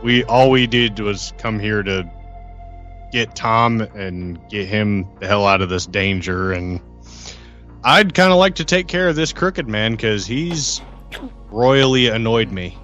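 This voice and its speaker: A man playing a guarded warlock lawman in a tabletop game, with halting, formal speech. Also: fairly low pitch, lively intonation, fairly bright tone. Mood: annoyed. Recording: dull sound with faint music.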